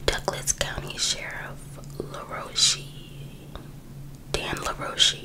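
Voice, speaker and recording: A woman reading a book aloud for ASMR in a breathy, unvoiced whisper, pausing between short phrases. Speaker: ASMR creator.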